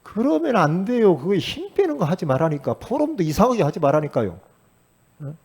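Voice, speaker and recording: A man preaching a sermon as pastor, talking in a conversational way with sudden loud emphatic rises. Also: high-pitched, big pitch swings, brisk, gravelly, husky.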